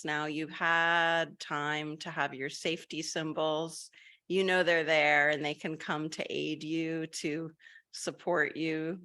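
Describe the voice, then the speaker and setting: A woman leading a group meditation over a video call, talking gently with many fillers and restarts. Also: sits low. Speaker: meditation guide.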